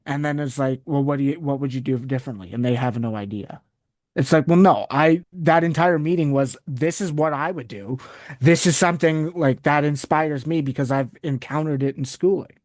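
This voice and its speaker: A man's voice: a little high, moderate pace, a little mellow, dry recording. Rambling Canadian man in a dry room. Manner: rambling, restarts often, goes on tangents. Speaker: guest, wrestling site writer. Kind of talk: casual interview chat.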